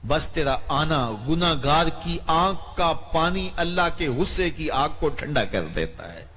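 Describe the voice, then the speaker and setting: A man preaching an emotional sermon, sinking to hushed tones and rising to loud pleading calls while acting out quoted voices. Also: on the high side, lively intonation. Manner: acts out voices in quoted dialogue.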